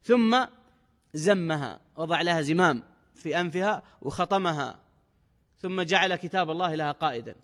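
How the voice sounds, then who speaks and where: A man's voice: fairly high pitch, animated, moderate pace, pauses often, a bit bright. A man giving a religious lesson, reading old texts with raised emphasis and explaining them in dialect. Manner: reads quotes in formal Arabic with raised emphasis, then explains in dialect. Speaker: religious teacher. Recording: long hall reverb.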